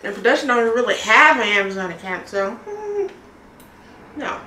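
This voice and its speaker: A woman's voice: fairly high pitch, very animated, normal speed, pushed and bright, echoey room, a little hiss or hum. A woman, chatting casually on her eating vlog and telling a story with frequent laughs. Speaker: mukbang vlogger. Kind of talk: casual chat while eating.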